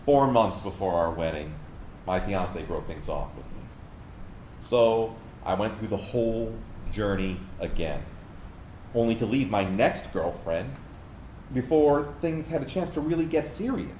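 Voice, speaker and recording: A low male voice of an actor delivers a gay man's personal monologue in a staged reading. He places his pauses deliberately for emphasis. The room is echoey, with faint noise. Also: expressive, darkish tone. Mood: wry, confessional. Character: gay man recalling a fearful small-town youth. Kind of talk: dramatic monologue read from a script to an audience.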